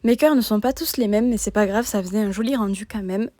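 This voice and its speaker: A woman calmly narrating a step-by-step nail art tutorial as a voice-over, in a plain explaining tone. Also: mid-range voice, fast, no echo, studio quality.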